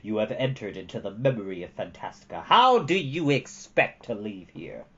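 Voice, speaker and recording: A man voicing a solemn, fatalistic old male keeper of a magical chronicle in a storybook reading, with a deep, dark voice and portentous delivery. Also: big pitch swings, normal speed, muffled recording. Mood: ominous.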